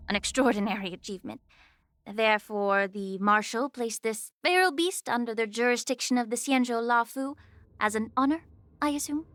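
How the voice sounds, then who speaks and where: A woman's voice: on the high side, fairly bright tone, no room sound. A woman voicing a poised, shrewd official in a video game, speaking in a formal, precise and courteous way. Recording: music behind the voice.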